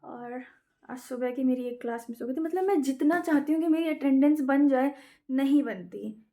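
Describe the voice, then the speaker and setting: Chatty young woman with a bright voice. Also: high voice, normal speed. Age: young adult. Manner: chatty and self-mocking, mixing in English words. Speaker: vlogger. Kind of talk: casual vlog chat.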